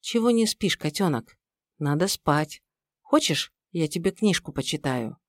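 A young father weighed down by guilt, who speaks quietly and holds back, as a woman reads him in an audiobook. The voice sits fairly low and soft. The recording is dry and close. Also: expressive, measured pace, dry recording. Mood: tender. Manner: subdued, soft-spoken.

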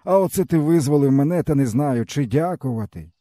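A man's voice: on the high side, expressive, brisk, warm tone, dry recording, pitched above the performer's own voice. A man voicing a starving, bitter older peasant man who speaks in a plaintive, sighing, folksy way. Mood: bitter lament. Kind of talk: audiobook character voice.

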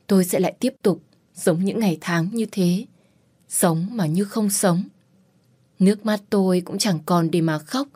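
A woman narrating a first-person novel in a sorrowful, measured way. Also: mid-range voice, mellow. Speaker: audiobook narrator.

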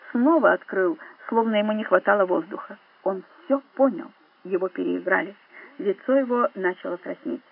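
A woman reading a thriller audiobook as narrator, with steady, even storytelling. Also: mid-range voice, husky. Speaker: audiobook reader. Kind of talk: scripted narration. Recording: narrow phone-like band.

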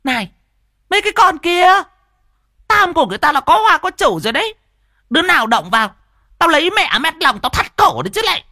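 A man voicing a fat, jealous middle-aged woman who sells tripe porridge, shrill and scolding. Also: very animated, fairly quick, long pauses, sharp tone, no room sound, clean studio sound, exaggerated voice. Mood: furious.

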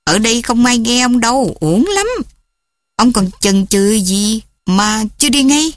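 A woman's voice: fairly high pitch, animated, a little slow, no room sound. A woman voicing a stern, domineering old father who scolds sharply. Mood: harsh.

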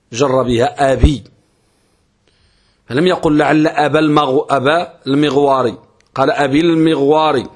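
Here the sheikh's voice is fairly high and husky. Teaching Arabic grammar, he breaks the lesson into steps, raises his own questions before resolving them, and chants verse slowly.

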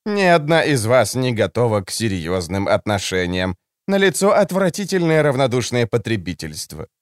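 A man's voice: medium pitch, very animated, moderate pace, dry recording, clean studio sound, close to an everyday voice. A man reading an audiobook, voicing a smug, theatrical grown man with a grandiose, mock-dramatic manner.

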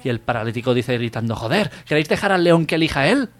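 A man's voice: medium pitch, animated, fast talker. A man hosting a radio comedy show and telling jokes full of quoted dialogue. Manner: tells jokes in quoted dialogue, then laughs.

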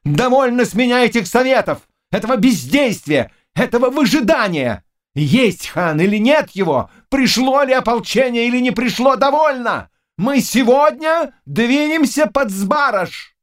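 Impassioned royal figure, high and declaiming, read by a male narrator. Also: expressive, a little slow. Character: old king, commanding, fiery and emotional.

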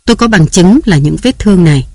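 A man's voice: high-pitched, expressive, fast talker, dark tone, no room sound, studio quality. A man reading aloud who voices a frightened young wife, tearful and pleading. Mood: defiant.

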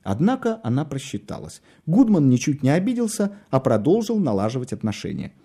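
Husky man reading a wry story. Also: mid-range voice, huge pitch swings, fairly quick, warm tone. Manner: wry, dry-humored storytelling. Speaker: audiobook narrator. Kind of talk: ironic first-person audiobook reading.

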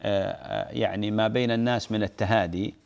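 A man's voice: fairly low pitch, steady tone, quick pace, creaky, a little mellow. A man, a sheikh answering listeners' religious questions and repeating key points for emphasis.

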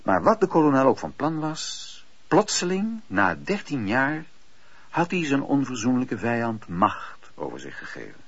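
A man narrating a radio play as an expressive, theatrical storyteller. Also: mid-range voice, a little slow, husky, no room sound, exaggerated voice. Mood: storytelling. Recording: dull lo-fi radio play recording.

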